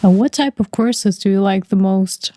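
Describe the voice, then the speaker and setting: A young woman hosts a student podcast interview, her voice mellow and warm. She asks her questions politely, at a measured and even pace. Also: medium pitch. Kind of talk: podcast interview, read intro then questions.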